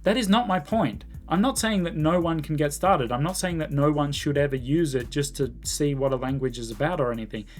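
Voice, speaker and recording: Higher-pitched man, blunt and emphatic. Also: fairly quick, hardly any pauses, soft background music. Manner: emphatic, blunt, exasperated, mimics commenters. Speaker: YouTube language-learning commentator. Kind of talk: casual opinionated commentary to camera.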